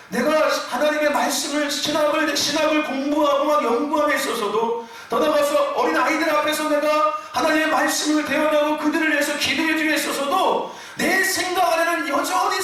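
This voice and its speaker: High, bright-voiced pastor in an echoey hall. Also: male voice. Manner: impassioned, often shouting and laughing mid-phrase. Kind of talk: sermon. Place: church sanctuary. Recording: echoey church hall from far off.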